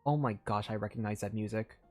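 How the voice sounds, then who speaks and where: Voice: medium pitch, fast, mellow. A game streamer giving casual, reactive playthrough commentary, thinking aloud and reading game text. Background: game music.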